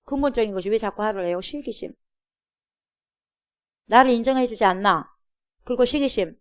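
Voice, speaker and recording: A woman's voice: on the high side, normal speed. A woman pastor giving a sermon at a church, preaching emphatically and asking the congregation repeated rhetorical questions.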